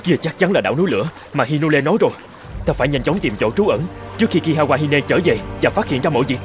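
A man's voice: fairly high pitch, lively intonation, fast talker, music in the background, lightly acted. A man playing a scheming runaway tribal chieftain in a dubbed fairy-tale cartoon, with dramatic storybook delivery. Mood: urgent, scheming.

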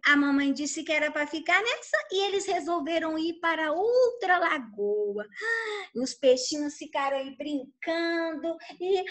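High bright-voiced woman reading a story. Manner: slow, expressive, with drawn-out repetitions. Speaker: teacher. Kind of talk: storytelling for young children.

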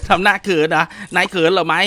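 A man hosting a gaming channel, chatting excitedly and dubbing the characters as he plays. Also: high-pitched, fast talker. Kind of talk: playful game commentary.

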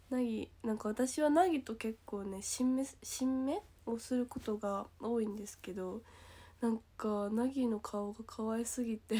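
A young woman with a Kansai accent hosts an idol livestream, chatting casually and reading comments aloud. Her voice is a little high, she giggles often, and she sometimes drops to a soft whisper.

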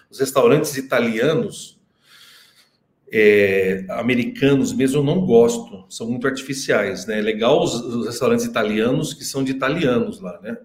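Animated paulista man telling stories, echoey room. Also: mid-range voice. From Brazil. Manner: animated, laughing storyteller who acts out quotes. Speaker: singing teacher. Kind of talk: casual storytelling on a live Q&A stream.

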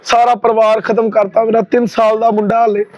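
A man's voice: high-pitched, little pitch movement, fairly quick, a little mellow. A man with a Punjabi accent speaking as an interviewee, giving his account in a news interview. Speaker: victim's relative, interviewee. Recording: dull, muffled field recording.

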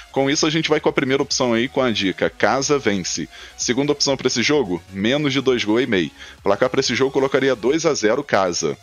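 Fast-talking Brazilian man giving betting tips. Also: fairly low pitch. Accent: Brazilian Portuguese. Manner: frequent tag questions, steady rundown of stats and picks. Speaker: football betting tipster. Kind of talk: casual match-preview commentary. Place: small indoor room.

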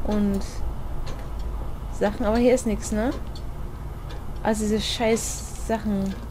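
A woman giving chatty, excitable commentary while playing a horror game, talking to herself and swearing now and then. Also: medium pitch, slow, background noise. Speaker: let's play gamer.

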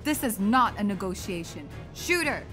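A woman's voice: mid-range voice, expressive, normal speed, close to an everyday voice. A woman voicing a haughty, cruel female pony warlord in a comic dub, condescending and threatening. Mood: furious. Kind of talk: amateur animated comic dub acting. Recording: loud music behind the voice. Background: music.

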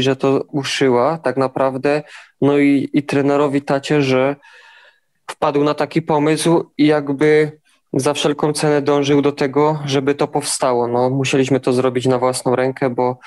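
A young man answering interview questions in an even, steady way, now and then restarting words. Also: mid-range voice. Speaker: interviewed athlete.

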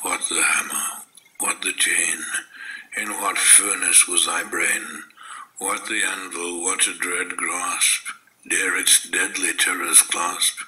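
A man giving a dramatic poetry recitation, solemn and measured, with weighty pauses. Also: low voice, little pitch movement, pushed and bright, low-quality recording.

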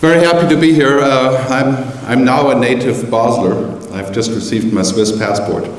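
A middle-aged man giving a lively conference keynote, joking as he gestures on stage. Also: medium pitch, moderate pace. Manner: animated, gesturing, joking asides. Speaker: keynote speaker. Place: large conference hall. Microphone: headset mic. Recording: echoey hall, voice from far off.

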